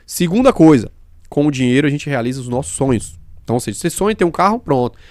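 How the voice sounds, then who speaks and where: Fast, emphatic man hosting a podcast. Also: fairly high pitch, animated, darkish tone, no echo, studio quality. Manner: emphatic, explaining with examples; fast-talking. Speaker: podcast host. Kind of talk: casual podcast conversation.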